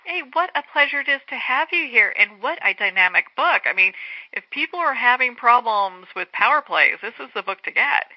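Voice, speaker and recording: A woman's voice: on the high side, lively intonation, brisk, dry recording. A woman hosting an interview, asking questions in an enthusiastic, chatty way. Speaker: interview host. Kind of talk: conversational interview. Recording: muffled, dry lo-fi line.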